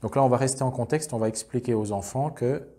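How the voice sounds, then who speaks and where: A man calmly explaining, step by step, how a classroom reading and spelling activity works. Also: medium pitch, fast. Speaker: teacher explaining a reading method. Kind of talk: instructional demonstration.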